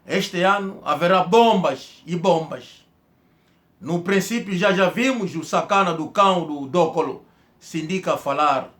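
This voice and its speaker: Man, high-pitched, fiery accusatory monologue with stumbling repeats. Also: unhurried, fairly bright tone. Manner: emphatic, accusatory, repeats words when stumbling. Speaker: political commentator. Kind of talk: impassioned political monologue.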